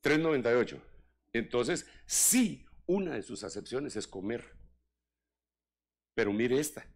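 An older man preaching a sermon in an animated style, with joking asides to the congregation. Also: mid-range voice, measured pace. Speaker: apostle preaching.

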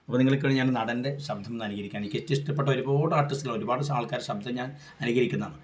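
A man's voice: medium pitch, rapid-fire. A middle-aged man, giving an earnest, rambling product testimonial.

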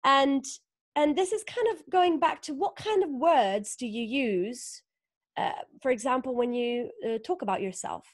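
A woman's voice: sits high, measured pace, dry recording, studio quality. A woman, a guest author talking thoughtfully on a video call, with many fillers and rhetorical questions. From northern Italy. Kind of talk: conversational interview on a video call. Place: small room indoors. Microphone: video call webcam.

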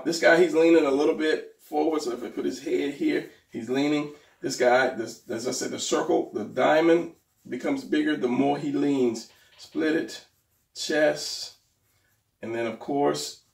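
A man teaching how to draw the torso as he sketches. His voice is going hoarse, and he trails off and mutters while he works. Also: medium pitch, a little mellow. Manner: talks while drawing, trailing off and muttering to himself. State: losing his voice. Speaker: art instructor. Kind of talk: drawing tutorial while sketching. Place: indoors at a desk. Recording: roomy, slightly distant mic.

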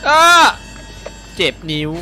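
A male game streamer doing casual let's-play commentary, excitable and swearing as he reacts. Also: takes it slowly, music in the background.

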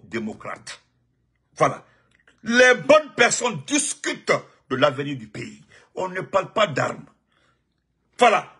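Animated, husky-voiced commentator. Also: male voice. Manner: animated, mocking, with sudden high outbursts and laughs. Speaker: political commentator. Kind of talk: heated monologue. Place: United States.

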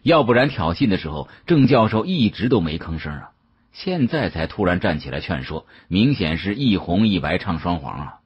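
Male audiobook narrator, strongly husky, dull recording, dramatic first-person delivery. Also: sits low, sing-song, normal speed.

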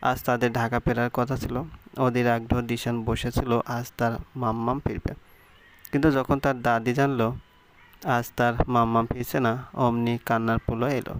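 A man's voice: medium pitch, flat delivery, normal speed, smooth. A man reading a romantic story aloud as a scripted narration.

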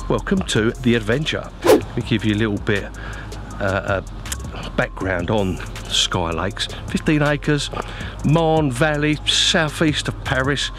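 A man's voice: medium pitch, lively intonation, unhurried, over music. A man chatting casually to viewers as an angler presenting a vlog, informal and matey, giving practical advice.

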